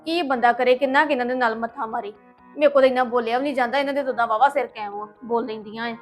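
A young woman playing a young woman of the house who complains fast and grumbles. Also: fairly high pitch, steady tone, faint music behind, lightly acted. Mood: grumbling. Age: young adult.

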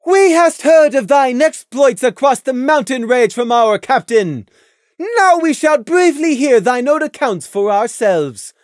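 A stern royal mare who speaks in thee and thou, pitched high and loud, as a reader puts her on. Her speech swings widely in tone, imperious and commanding. The recording is dry and close. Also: expressive, unhurried, no room sound. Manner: archaic formal speech, commanding. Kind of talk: audiobook reading of fan fiction.

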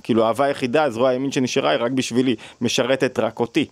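A man's voice: mid-range voice, steady tone, no room sound. Thoughtful male lecturer, dry sound. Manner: thoughtful, questioning, with frequent restarts. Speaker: psychology lecturer on the weekly Torah portion. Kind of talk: spoken teaching talk.

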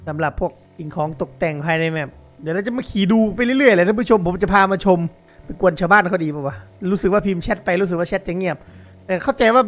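A man giving excited game commentary to his viewers, exclaiming and laughing often. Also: high-pitched, fast talker, faint music behind. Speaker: gaming YouTuber.

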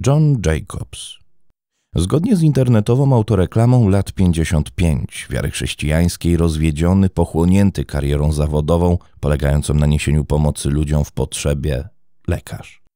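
A man's voice: extremely low pitch, dry recording, studio quality. A man narrating a true crime story in a scripted, theatrical storytelling style. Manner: expressive, theatrical storytelling delivery.

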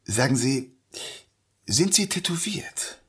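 An actor playing a courteous, probing young police inspector in a sci-fi audio drama, speaking formally with a husky voice. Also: male voice, mid-range voice, lively intonation, slow pace, exaggerated voice. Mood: probing, discreet. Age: young adult.

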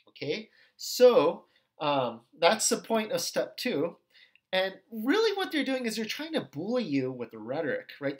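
Man teaching ethics, lively pitch. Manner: conversational, checks in with "okay" and "right"; acts out quoted questions with shifting tones. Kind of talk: recorded lecture video.

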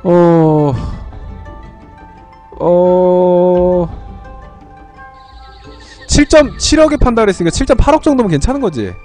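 A man's voice: high-pitched, animated, slow pace, long pauses, darkish tone, soft background music. A young man streaming an online game, chatting casually with his viewers while he trades and sets up gear.

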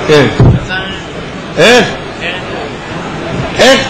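A man's voice: high voice, expressive, poor audio. A man mentoring students at a Hasidic gathering, teasing and joking as he calls out to people in the crowd. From Israel. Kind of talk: lively gathering talk to students. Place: large synagogue hall at a gathering.

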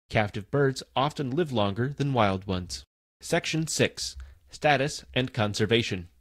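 A man reading an encyclopedia article aloud in a steady, even manner. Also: mid-range voice, no echo. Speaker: volunteer article reader.

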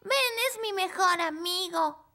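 Very high-voiced little fairy princess. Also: female voice, slow pace, pushed and bright, exaggerated voice. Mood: anxious. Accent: Latin American Spanish. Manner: earnest, exclamatory. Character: eager little fairy princess girl, best friend, easily flustered. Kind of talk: children's cartoon dubbing. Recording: music behind the dialogue.

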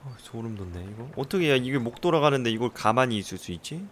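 A man's voice: mid-range voice, lively intonation, fast talker, a bit bright, a little hiss or hum. A man giving casual, jokey commentary while playing a horror game, exclaiming and swearing at scares. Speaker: game streamer.

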